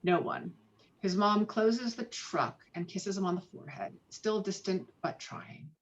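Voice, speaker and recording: A woman's voice: mid-range voice, expressive, measured pace. A woman reading screenplay stage directions as a narrator, in scripted narration over a video call. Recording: dull, lo-fi online call audio.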